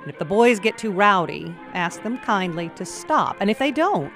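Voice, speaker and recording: A woman playing a kindly but stern elderly grandmother, gently firm and compassionate, in an audio drama. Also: medium pitch, big pitch swings, normal speed, faint music behind. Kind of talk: cinematic audio drama roleplay.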